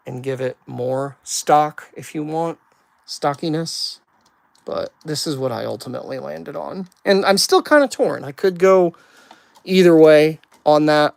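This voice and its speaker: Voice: mid-range voice, vocal fry, darkish tone. A toy builder giving a casual live-stream build walkthrough, rambling and self-deprecating and thinking aloud while putting pieces together.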